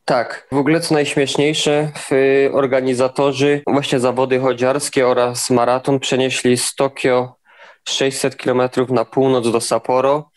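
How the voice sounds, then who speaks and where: A young man answering interview questions in an even, steady way, now and then restarting words. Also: mid-range voice, moderate pace. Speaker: interviewed athlete.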